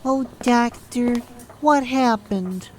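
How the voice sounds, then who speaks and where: A man's voice: very high-pitched, slow, voice pushed up. A man voicing an emotional, worried woman at a hospital in an audio drama, with plaintive delivery. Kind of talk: amateur audio drama acting. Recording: noisy track.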